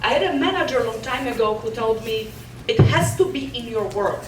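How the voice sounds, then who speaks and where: A woman's voice: on the high side, animated, fairly quick, slight background noise. A woman from Poland with a Polish accent, giving an earnest motivational conference talk and often restarting words. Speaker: conference keynote speaker. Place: conference hall. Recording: echoey hall from a distance.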